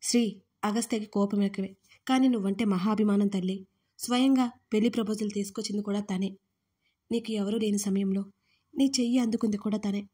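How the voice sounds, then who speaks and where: A woman voicing a worried, fatherly older man who speaks softly and pleads affectionately in an audio story. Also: medium pitch, steady tone, fairly quick, breathy edge, lightly acted. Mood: gentle.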